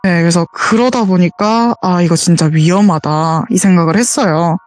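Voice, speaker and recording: A woman's voice: fairly low pitch, normal speed, a little mellow, no echo, soft background music. A woman calling in over a voice call to earnestly tell a true ghost story in casual, detailed speech. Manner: earnest, detailed retelling with quoted dialogue.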